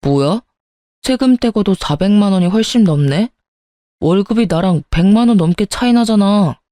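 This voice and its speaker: A woman's voice: medium pitch, animated, moderate pace, no room sound, clean studio sound, natural voice. Woman doing a petty, hot-tempered husband. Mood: indignant. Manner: sulky, accusing, turns to shouting. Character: petty, calculating young husband, quick to anger.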